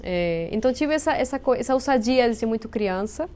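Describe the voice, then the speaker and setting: A woman's voice: on the high side, expressive, a little fast, darkish tone. A Peruvian woman with a Spanish accent, a native Spanish speaker, talking as an interview guest in a thoughtful, explanatory way and sometimes searching for words. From Peru. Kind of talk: casual interview chat.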